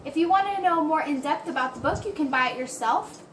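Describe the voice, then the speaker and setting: High-voiced woman, echoey distant recording. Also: a little fast. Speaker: voice interpreter for a signed presentation. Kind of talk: spoken interpretation of a signed talk, informal presentation. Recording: roomy echo, distant mic, background hiss.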